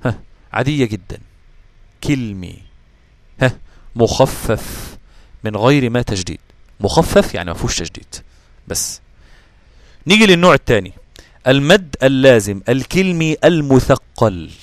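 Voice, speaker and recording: A man with an Egyptian Arabic accent teaching Quran recitation rules, checking whether listeners follow with quick questions and answering his own questions. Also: medium pitch, big pitch swings, fairly bright tone, no echo. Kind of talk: explaining tajweed rules to students.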